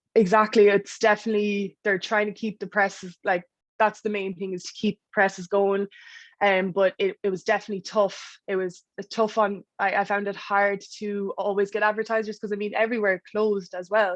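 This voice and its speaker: A woman with an Irish accent, medium pitch and monotone, flat intonation at a moderate pace, in a dry, close sound with no echo and a quiet background. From Ireland, Mullingar. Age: 20s. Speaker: marketing and advertising executive. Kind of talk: interview.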